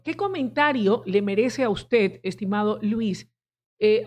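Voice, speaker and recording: A woman hosting a radio interview, asking formal, courteous questions with small hesitations. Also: a little high.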